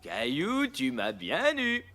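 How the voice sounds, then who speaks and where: A man voicing a good-natured father of a young boy in a French-dubbed preschool cartoon, animated and good-humored. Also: on the high side, slow pace, soft background music, exaggerated voice. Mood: amused surprise.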